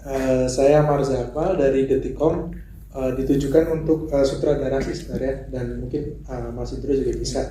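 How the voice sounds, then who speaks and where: A man's voice: mid-range voice, steady tone, normal speed, dark tone, a little hiss or hum. A male journalist asking a question at a press conference, hesitant with many fillers, in an echoey hall. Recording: echoey hall, faint ambience.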